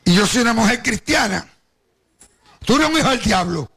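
Older male preacher, Caribbean Spanish accent, high and very crackly voice, tells his testimony straight to the congregation. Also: animated, moderate pace, a bit bright, breathy edge. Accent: Caribbean Spanish, Puerto Rican with Cuban influence. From Puerto Rico. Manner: storytelling, addresses the congregation directly. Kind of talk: sermon with personal testimony.

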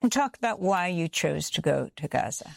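Gravelly, direct woman news host. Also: fairly low pitch, lively intonation, no room sound. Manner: direct, brisk questioning. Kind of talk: interview questions and introductions. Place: studio.

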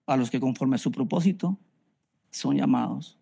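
A man's voice: mid-range voice, normal speed, vocal fry, dark tone, husky. A man, preaching a sermon and telling his own story in an earnest way, often repeating phrases for emphasis. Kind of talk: personal testimony sermon.

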